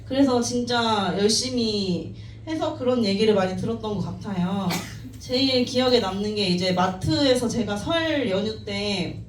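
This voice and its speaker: A woman's voice: fairly high pitch, a little mellow. A woman in her thirties tells her life story to an audience at a company meeting, in a modest, self-deprecating manner and with frequent light laughs. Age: 30s. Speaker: team member giving a talk at a company meeting. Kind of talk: personal story talk to an audience. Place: meeting room. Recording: echoey room, distant mic, faint noise.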